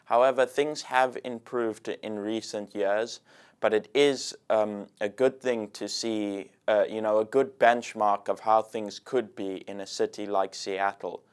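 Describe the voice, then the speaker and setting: Young man, smooth low-ish voice, considered interview answers. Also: steady tone, a little slow. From South Africa. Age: young adult. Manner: thoughtful, choosing words with restarts. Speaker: exchange student.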